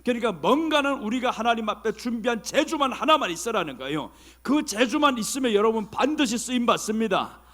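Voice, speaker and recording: A male pastor preaching a sermon with passion, firing off rhetorical questions and sometimes shouting. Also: very high voice, very animated, brisk.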